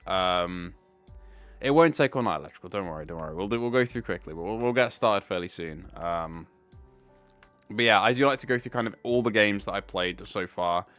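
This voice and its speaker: A man's voice: fairly low pitch, moderate pace, fairly bright tone, faint music behind. A man hosting a casual live stream, rambling as he sorts out camera trouble. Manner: rambling, fixing tech while talking.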